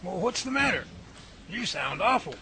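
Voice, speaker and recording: A man playing a professor who calmly reasons things out and takes charge, in an amateur radio drama. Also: high voice, moderate pace, gravelly, heavily acted. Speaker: professor leading a research lab. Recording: noisy amateur recording.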